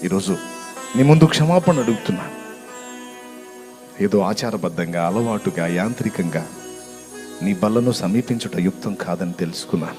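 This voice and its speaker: A man preaching a sermon and leading prayer in an impassioned, pleading way, moving between loud cries and hushed tones. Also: fairly low pitch, animated, moderate pace, long pauses. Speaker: pastor. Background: music.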